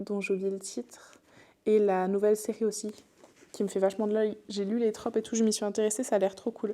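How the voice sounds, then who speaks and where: Her voice is fairly high for a woman yet dark and mellow in tone. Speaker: book YouTuber. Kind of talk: casual video monologue. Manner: casual, hesitant with many fillers.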